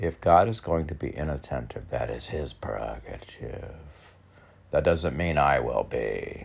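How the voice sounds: In a croaky, put-on character voice, a man speaks at a moderate pace with a very deep, low pitch.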